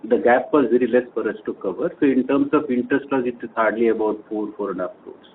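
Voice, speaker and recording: A man's voice: medium pitch, fast. An Indian-accented man answering questions as a company executive on an earnings call. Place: telephone conference call. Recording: tinny phone line with faint noise.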